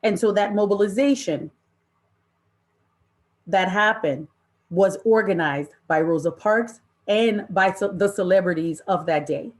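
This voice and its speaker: Emphatic woman leading a workshop. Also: medium pitch. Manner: emphatic, deliberate, with rhetorical questions and repetition. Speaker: presenter leading a training session. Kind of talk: impassioned interactive workshop talk to an online audience.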